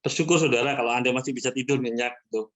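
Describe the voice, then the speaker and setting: Animated man telling a church testimony. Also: mid-range voice, very fast. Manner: animated storytelling, often addressing listeners as brothers and sisters. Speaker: church member giving a testimony. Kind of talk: personal testimony at an online church service. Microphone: video call.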